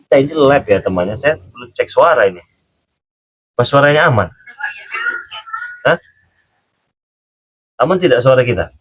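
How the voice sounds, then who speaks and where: Husky-voiced man telling a spooky tale. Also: mid-range voice, lively intonation, normal speed, pauses often, no echo, low-quality recording. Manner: rambling, chuckling, questioning a child. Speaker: channel host. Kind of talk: live stream storytelling and chat.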